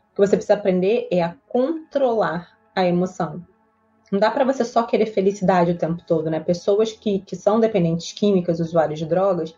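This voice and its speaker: With a dark, medium-pitched voice, a Brazilian Portuguese-accented child psychologist lays out emotions patiently and earnestly during an interview. She builds her explanation step by step and keeps checking in with "né?", all on slightly dull lo-fi audio.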